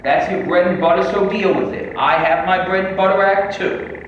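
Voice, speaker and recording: A man's voice: high-pitched, fairly even intonation, normal speed, lo-fi sound, natural voice. A man playing a brusque, condescending white actor in a staged reading before a live audience, in a very echoey room with faint noise. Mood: dismissive. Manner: curt, condescending.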